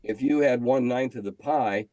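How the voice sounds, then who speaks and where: A man's voice: medium pitch, normal speed, mellow, no echo. An older man reminiscing casually in an interview, speaking emphatically and repeating phrases to make his point. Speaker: game designer and magazine editor guest.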